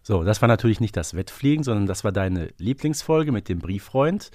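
A man's voice: lowish voice, big pitch swings, fairly quick, darkish tone, no echo, clean studio sound. A man hosting a podcast in a conversational fan-discussion style. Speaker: podcast host.

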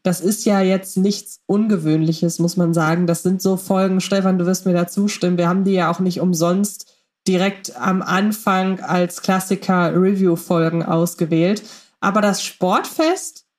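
A woman's voice: mid-range voice, moderate pace, a little mellow. A woman hosting a podcast, moderating a casual group conversation in a chatty, wordy way. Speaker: podcast host.

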